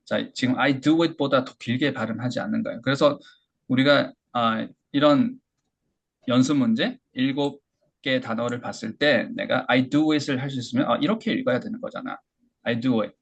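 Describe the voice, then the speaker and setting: Gravelly-voiced male English teacher. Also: medium pitch, highs cut off. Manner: explains step by step and models English phrases slowly. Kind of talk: online lecture.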